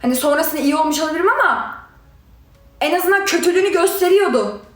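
A young woman with a high voice rants heatedly into a phone livestream, sarcastic and scolding as she talks straight to her viewers. Her voice echoes around a bare room. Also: quick pace. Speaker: reality show contestant answering critics. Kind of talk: angry livestream rant.

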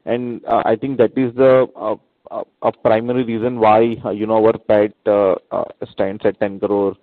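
A fairly deep male voice with an Indian accent, heard dry over a narrow telephone connection. He is an analyst putting questions on a conference call in a polite, hesitant way. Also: flat delivery, normal speed. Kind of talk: earnings call question, unscripted. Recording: narrow phone line with some room echo.

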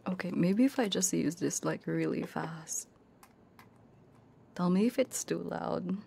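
A woman streaming ASMR, chatting casually in a soft, hushed, breathy whisper close to a binaural microphone while sick with a cold. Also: on the low side, a little slow, a little hiss or hum. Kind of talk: ASMR, casual livestream chat. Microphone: close binaural ear microphone.

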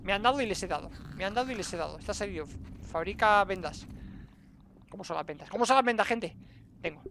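A man with a Spain Spanish accent talks through a game at a home desk mic. His voice is bright and gravelly, and he mutters to himself before bursting into loud exclamations. A faint hiss sits under his commentary. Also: high voice, animated, fast talker. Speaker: gaming streamer. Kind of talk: let's-play commentary.

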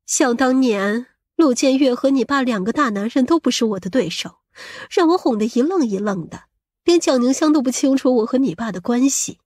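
A woman's voice: high-pitched, expressive, normal speed, darkish tone, no echo, studio quality. A woman playing a vain, scheming middle-aged mother in an audiobook, with a scolding, boastful and coarse-tongued manner. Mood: smug. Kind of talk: audiobook character acting.

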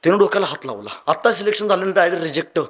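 A young motivational speaker from Maharashtra delivers a speech packed with acted-out stories, his voice sitting high, expressive, very fast and fairly bright. He's dramatic, performing the voices of people in his anecdotes and swinging between emotions.

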